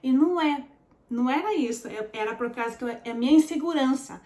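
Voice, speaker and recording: Her voice sits high and a little mellow, quick-paced, with reverberation around it. A Brazilian Portuguese-accented vlogger in her forties, she relates her story in a relaxed, chatty way, full of fillers and addressing viewers as "gente."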